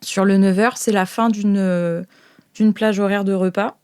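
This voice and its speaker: A woman's voice: medium pitch, fairly even intonation, unhurried, a little mellow, clean tone. A woman narrating an improvised tabletop game as game master, in an informal, descriptive and hesitant way.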